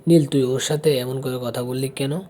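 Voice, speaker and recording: A reproachful young friend, scolding and hurt on someone else's behalf, as a man narrating a storybook puts it on. The voice is barely changed from the reader's own middle-pitched tone. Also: steady tone, normal speed, dark tone, slight background noise, close to an everyday voice.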